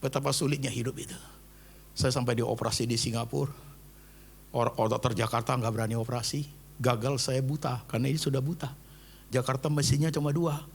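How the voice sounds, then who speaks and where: A middle-aged man preaches with fervent conviction, his voice full of gravelly fry. He climbs to loud emphatic peaks, then drops to quiet prayer, slipping English words into the sermon. His pitch sits at an ordinary middle height. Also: fairly even intonation, brisk, slight background noise. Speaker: pastor.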